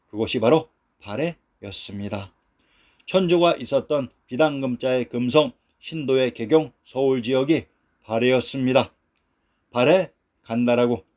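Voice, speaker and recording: Slow, measured male documentary narrator. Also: medium pitch, darkish tone. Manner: slow, measured, reads long lists of place names.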